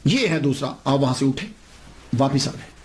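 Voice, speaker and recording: Animated man telling a devotional story. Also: medium pitch. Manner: animated storyteller, repeats key phrases, asks and answers his own questions. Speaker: religious lecturer.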